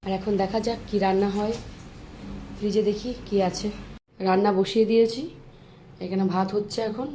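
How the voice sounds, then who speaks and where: A woman chatting to viewers in a casual daily vlog, speaking softly because of a sore throat. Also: medium pitch, fairly even intonation, normal speed, pauses often. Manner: chatty, addresses viewers directly. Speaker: vlogger. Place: home and outdoors, moving around. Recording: noisy phone recording.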